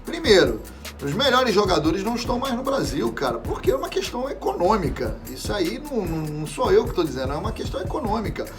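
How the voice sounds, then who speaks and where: A man's voice: high-pitched, fast, over music. A man, a guest chatting casually about football with swearing and many restarts. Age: 40s. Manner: animated, swears freely, trails off and restarts. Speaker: interview guest.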